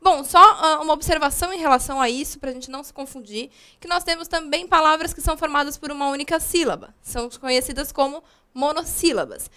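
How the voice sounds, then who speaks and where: Bright, high-voiced woman teaching grammar. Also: quick pace, hardly any pauses. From Brazil. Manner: patient explaining with frequent fillers. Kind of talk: recorded video lesson.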